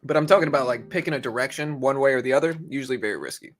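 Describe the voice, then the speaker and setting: A man's voice: mid-range voice, racing. A man hosting a livestream, chatting casually and informally, speaking directly to his viewers. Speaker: livestream host.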